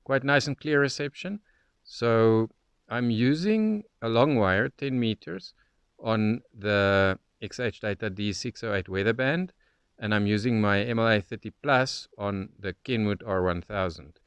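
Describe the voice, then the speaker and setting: A man with a fairly low, clean and smooth voice narrates in an informal, explanatory way. The sound is dry and close, like a hobbyist talking through a demonstration. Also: measured pace, dry recording, muffled recording. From South Africa. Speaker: shortwave radio hobbyist narrator.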